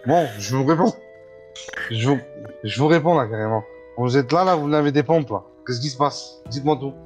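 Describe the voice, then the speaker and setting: A man's voice: medium pitch, moderate pace, soft background music. A man improvising a streetwise gang member arguing his side in a gaming roleplay. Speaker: GTA roleplay player.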